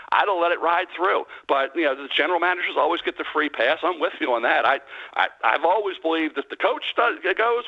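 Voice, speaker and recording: A man in his sixties calling into a sports radio show over a landline phone, giving blunt, emphatic opinions in quick bursts. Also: a little high. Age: 60s. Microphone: landline telephone. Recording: dull lo-fi phone line.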